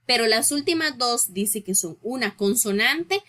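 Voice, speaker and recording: Slow, bright-voiced woman teaching English. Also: a little high, animated. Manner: patient, explains step by step, checks in with "¿ok?" and "¿ves?"; reads English rules slowly and deliberately. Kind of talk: recorded grammar lesson.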